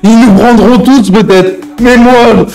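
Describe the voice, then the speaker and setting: Hot-headed game-roleplay gangster played by a man, high-pitched, slangy, bossy and threatening, repeating his verbal tics. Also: fairly even intonation, slow, music in the background, full character voice. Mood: angry, menacing. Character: hot-headed male gang member threatening hostages. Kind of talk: improvised roleplay in an online crime game.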